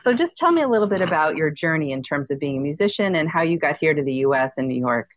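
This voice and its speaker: Low-voiced woman hosting a podcast. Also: big pitch swings, fast talker, no room sound. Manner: rambling, many fillers and restarts. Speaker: podcast host. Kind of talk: casual interview talk.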